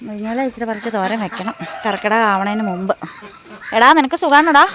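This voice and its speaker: A woman's voice: fairly high pitch, fairly quick, a bit bright, a little hiss or hum. A middle-aged woman with a central Kerala Malayalam accent, talking casually through a walking vlog and cooing to her animals outdoors. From Thodupuzha, Kerala. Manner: chatty, coos and calls out to animals. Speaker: vlogger. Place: outdoors on a rural farm path.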